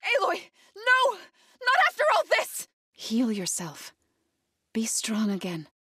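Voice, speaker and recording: A woman's voice: sits high, huge pitch swings, pushed and bright, slightly rough, no echo, heavily acted. Zo, earnest tribal warrior woman, dry sound. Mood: urgent battle shouting, then earnest, caring. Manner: measured, formal, earnest phrasing. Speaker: video game voice actor. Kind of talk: game character voice lines.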